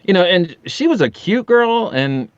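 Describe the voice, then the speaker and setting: A man in his forties, an audio drama voice actor, chats casually as a podcast guest, animatedly telling anecdotes and acting out the quoted dialogue. His voice is high-pitched and clean, at a measured pace. The recording has no room sound but comes across dull.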